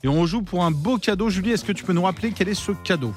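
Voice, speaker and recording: Energetic guy radio host, kinda high voice, joking around with a caller, music under him. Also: fast talker. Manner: lively, playful, chatty, laughs easily. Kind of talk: upbeat radio game show patter.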